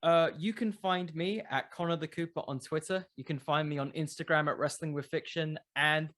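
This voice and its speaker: A man's voice: fairly high pitch, steady tone, moderate pace, a bit bright. A man chatting casually as an interview guest, informally thinking aloud as he answers. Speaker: podcast creator being interviewed.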